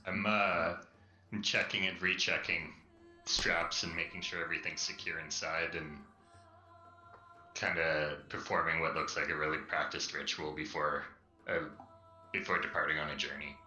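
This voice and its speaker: Male game player, casual, very low forceful voice, roomy recording. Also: level tone, normal speed. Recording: roomy, music behind.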